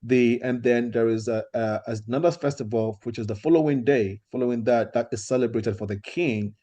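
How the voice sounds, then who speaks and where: A man's voice: mid-range voice, a little fast, dark tone. A man hosting an organization meeting, speaking earnestly and often restarting his sentences. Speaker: host of the meeting.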